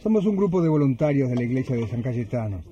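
A man acting a kindly young church volunteer in a radio drama, speaking gently and obligingly with an Argentine Rioplatense accent. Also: medium pitch, sing-song, quick pace, dull audio, close to an everyday voice. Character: kindly young male church volunteer serving hot mate.

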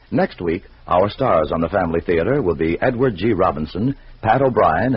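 A man's voice: low voice, a little hiss or hum. A man reading formal credits and station announcements as a radio announcer. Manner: formal, deliberate. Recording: dull old radio recording with loud music.

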